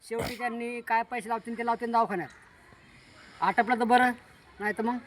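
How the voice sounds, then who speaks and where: An older man with a high-pitched voice answers an interviewer in casual talk. He is soft-spoken and mostly gives short, agreeing replies. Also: steady tone, fairly quick, low-quality recording.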